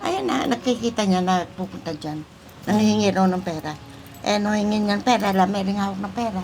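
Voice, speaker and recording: A woman at a medium pitch talks at a fairly quick pace with ordinary pitch variation, over noticeable background noise. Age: 80s+. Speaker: elderly sister of the featured woman. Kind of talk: casual interview.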